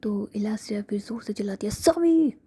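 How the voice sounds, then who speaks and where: A woman's voice: mid-range voice, monotone, fast talker, dark tone, breathy edge. Whispering woman telling a story.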